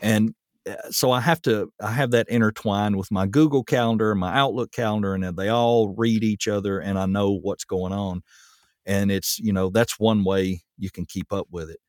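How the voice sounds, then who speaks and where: A man's voice: lowish voice, normal speed, no echo, clean studio sound. A man hosting a podcast, chatting casually in a rambling way with plenty of fillers. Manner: rambling, relaxed, lots of fillers. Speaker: podcast host. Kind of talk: casual chat.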